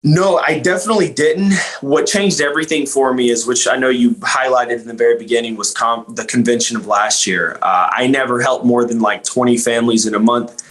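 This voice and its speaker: A man's voice: mid-range voice, brisk, hardly any pauses, fairly bright tone. Earnest young man telling his story. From Louisiana. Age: young adult. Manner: earnest, rambling, many fillers and restarts. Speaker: guest, insurance agent. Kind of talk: casual podcast interview.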